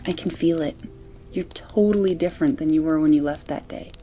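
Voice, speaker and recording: Mellow, caring woman partner, acted by a woman. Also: sits low, fairly quick, natural voice. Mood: tender, concerned. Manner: soft, soothing, sympathetic. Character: caring, sympathetic female partner listening to her man. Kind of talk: amateur audio drama acting. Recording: faint music under the voice.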